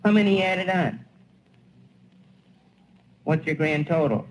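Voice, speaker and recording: A man's voice: on the high side, takes it slowly. A man playing a self-satisfied, pondering small-town American family man in a 1940s radio play. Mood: boastful. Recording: dull, hissy vintage radio recording.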